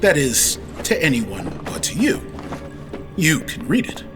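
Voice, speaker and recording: An actor playing a smug, ruthless captor in a science fiction audio drama, with a sardonic, taunting manner. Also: male voice, fairly high pitch, big pitch swings, unhurried, music in the background. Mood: smug, persuasive.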